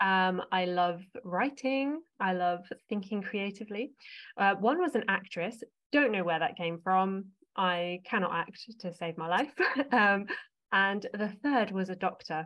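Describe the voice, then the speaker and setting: This woman talks at a fairly slow pace in an English accent. Her pitch sits in the medium range. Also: ordinary pitch variation. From England, Essex. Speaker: doctor and youtuber. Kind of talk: interview conversation. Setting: podcast interview. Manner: animated.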